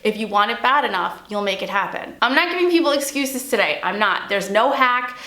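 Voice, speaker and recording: A woman's voice: on the high side, expressive, a little fast, pushed and bright, echoey room. A young adult woman, a recovery mentor, giving blunt, emphatic tough-love advice straight to camera. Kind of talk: direct-to-camera advice vlog.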